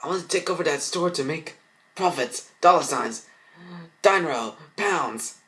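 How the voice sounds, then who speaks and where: A man's voice: fairly high pitch, animated, measured pace, fairly bright tone, voice pushed up. A man voicing a jealous, greedy young woman, pleading frantically in an amateur story reading. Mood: desperate, defensive. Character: jealous, greedy young female best friend turned arsonist.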